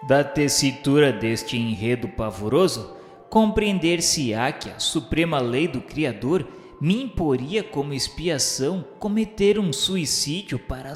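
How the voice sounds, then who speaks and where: A man with a Brazilian accent playing the remorseful spirit of a blind suicide from the nineteenth century, confessing in solemn, grandiloquent literary monologue for a radio drama. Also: fairly high pitch. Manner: solemn, grandiloquent, slow declamation. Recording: echoey hall reverb, music underneath.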